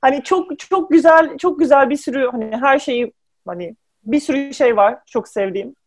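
A woman in a casual group chat, talking with giggles and hesitant pauses. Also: high voice. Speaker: guest.

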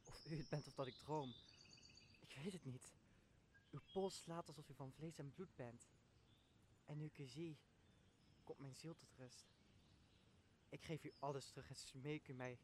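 A man's voice: fairly high pitch, slight background noise, natural voice. A student actor playing an astonished, remorseful nobleman, speaking earnestly in a Shakespearean radio play.

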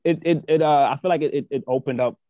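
A man from Senegal, a guest on a chat show, talking casually and haltingly, repeating his words and leaning on fillers. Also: on the high side, dry recording, lo-fi sound. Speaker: guest artist.

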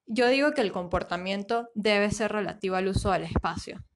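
A woman's voice: medium pitch, moderate pace, background noise. A woman with a Colombian accent co-hosting a podcast, in a reflective and somewhat philosophical way, partly reading from her own essay. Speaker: podcast co-host.

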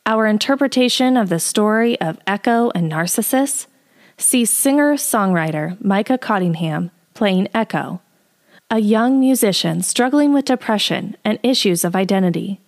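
A woman podcast presenter with a medium-pitched voice. She reads scripted narration that introduces drama excerpts. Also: expressive, moderate pace.

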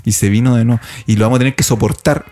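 A man's voice: medium pitch, fairly even intonation, racing, darkish tone. A Chilean man co-hosting a podcast in casual chat, joking and teasing with lots of slang. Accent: Chilean Spanish. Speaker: podcast co-host.

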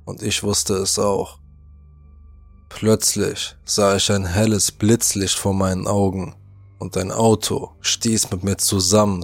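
A man narrates a first-person horror tale in a low, gravelly voice, slow and fairly flat, tense throughout. The recording is dry and close, with faint music playing underneath. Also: dry recording. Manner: tense, acts out shouted lines.

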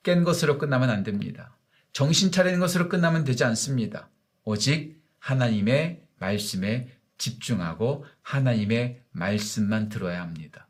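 A male pastor giving a morning devotional sermon, emphatic and speaking directly to his congregation, slowing down to stress key words. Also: mid-range voice, expressive.

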